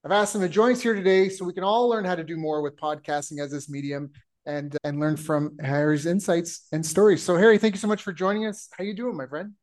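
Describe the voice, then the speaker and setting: A man's voice: high voice, steady tone, brisk, darkish tone. A man hosting a podcast, reading a guest introduction and then asking questions with playful teasing. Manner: playful, joking teases. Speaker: podcast host. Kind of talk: casual interview.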